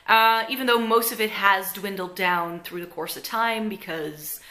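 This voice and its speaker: Sitting in her living room with the camera just in front of her, a young woman from the Netherlands vlogs about beauty in a bright, pushed, medium-pitched voice at a moderate pace. Her Dutch accent carries some American flavor, and her rambling talk is full of fillers.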